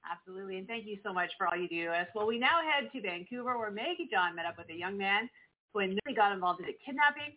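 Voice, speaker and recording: A woman co-hosting a talk show, bubbly and quick, introducing the next segment. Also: mid-range voice, lively intonation. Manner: bubbly, fast-talking. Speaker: co-host. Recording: tinny phone-like sound.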